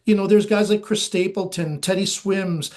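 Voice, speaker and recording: A man's voice: sits high, steady tone, normal speed, darkish tone. A man with a nasal voice, talking casually and eagerly as a musician guest in an interview. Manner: rambling, eager, many fillers.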